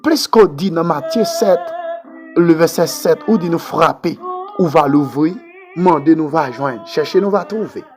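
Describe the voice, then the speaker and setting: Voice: mid-range voice, a little slow. A person with a Haitian accent leading a fervent, pleading Christian prayer, repeating phrases in an extempore way. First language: Haitian Creole. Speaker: prayer leader. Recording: music playing under the voice. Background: music.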